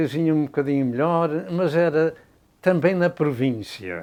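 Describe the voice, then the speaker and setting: The speaker has a European Portuguese accent and a dark, mellow tone. Intonation is lively, and the background is quiet. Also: man. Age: 80s+. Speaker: preacher. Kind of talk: sermon.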